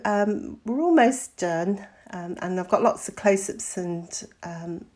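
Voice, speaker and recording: A middle-aged woman with a croaky voice, recovering from an illness, talks casually through a craft tutorial with frequent ums. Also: on the low side, a little mellow.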